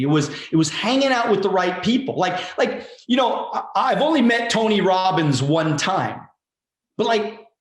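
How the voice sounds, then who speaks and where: Animated motivational man in his forties. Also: high-pitched. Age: 40s. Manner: emphatic, casual, repeats words, swears freely. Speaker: guest, wealth coach. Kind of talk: motivational conversation. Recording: roomy echo.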